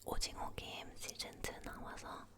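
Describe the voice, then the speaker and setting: A woman leaning in to whisper close to the mic, telling personal stories in a hushed ASMR style, gently repeating words. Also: a little slow. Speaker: ASMR host.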